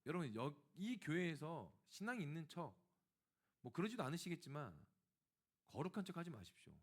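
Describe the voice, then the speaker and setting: Animated male pastor telling stories. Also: fairly high pitch, fairly quick. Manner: animated storytelling, acting out dialogue; speaks directly to the congregation. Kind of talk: sermon.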